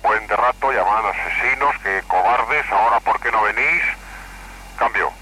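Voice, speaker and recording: A man, a police officer in the field, reporting over a police radio with tense, halting sentences and a sign-off at the end of each turn. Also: fairly low pitch. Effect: police radio transmission. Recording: noisy archival police radio from afar.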